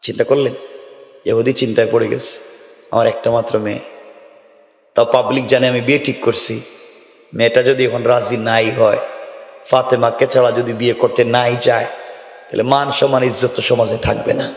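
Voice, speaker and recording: A man's voice: medium pitch, level tone, normal speed, pauses often. A man preaching a sermon to a large gathering, theatrical and teasing, acting out voices and prompting the crowd to answer. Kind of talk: sermon at an outdoor religious gathering. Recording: echoey, reverberant PA sound from far.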